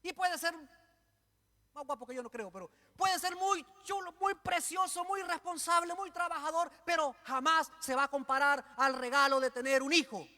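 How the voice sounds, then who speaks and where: A man preaching a sermon in church, animated and joking with the congregation. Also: very high voice, moderate pace, in a large hall.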